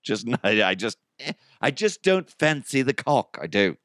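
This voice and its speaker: A man's voice: medium pitch, sing-song, unhurried, fairly bright tone, dry recording, clean studio sound. A middle-aged man hosting a podcast as a casual, jokey solo monologue with crude humor. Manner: jokey, crude, acts out imagined exchanges. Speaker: podcast host.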